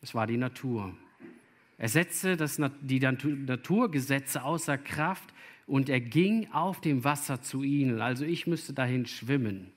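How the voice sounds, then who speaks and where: A man preaching with a deliberate, unhurried delivery. He speaks earnestly and turns straight to his young listeners. His voice sits at an ordinary middle pitch. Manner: earnest, addresses listeners directly. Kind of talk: sermon to children or youth.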